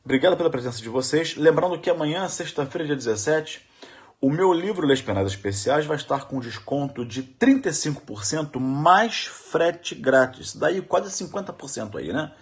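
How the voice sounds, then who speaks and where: A man's voice: a little high, lively intonation, moderate pace. A middle-aged man with a Brazilian Portuguese accent, giving an emphatic law lecture for exam preparation and repeating questions to his audience. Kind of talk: animated exam-prep lecture.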